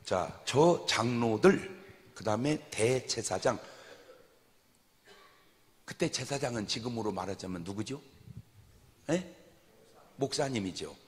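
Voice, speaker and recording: Animated preaching man in a reverberant hall. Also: medium pitch, slow, long pauses. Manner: dramatic, shifts from hushed to shouting. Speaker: pastor. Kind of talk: sermon.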